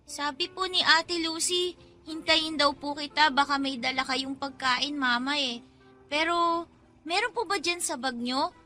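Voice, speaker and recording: Bright, very high-pitched little Filipino schoolgirl. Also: steady tone, a little slow, faint music behind. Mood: hungry, plaintive. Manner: childlike, polite, questioning. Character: innocent hungry young schoolgirl daughter. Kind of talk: Tagalog radio drama acting.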